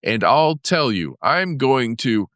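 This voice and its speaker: Man playing a storybook toad, boastful, excitable, high-pitched, dry recording. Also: normal speed, no room sound. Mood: excited.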